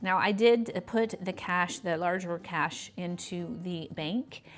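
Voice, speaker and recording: A woman talks at a medium pitch. The recording is very clean, with a silent background. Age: 60s. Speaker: budgeting video creator. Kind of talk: casual tutorial.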